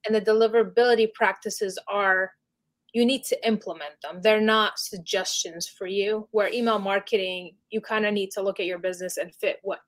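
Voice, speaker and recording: A woman's voice: medium pitch, fairly even intonation, normal speed. A woman speaking as a guest expert in an interview, explaining in a casual, chatty way with lots of "you know" and "like". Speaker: email marketing specialist, guest.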